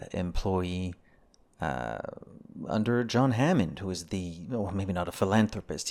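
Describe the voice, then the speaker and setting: With a Quebec accent, a man speaks at a moderate pace in a fairly low pitch. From Quebec, Canada. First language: French. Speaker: podcast host. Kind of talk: solo podcast monologue. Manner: hesitant, many fillers.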